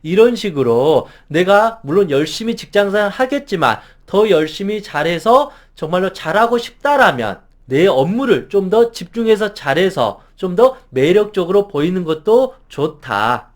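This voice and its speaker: A man's voice: high-pitched, very animated, moderate pace, few pauses. A middle-aged man giving an earnest advice lecture as a counselor, stressing his points emphatically. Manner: earnest, emphatic, acts out example phrases.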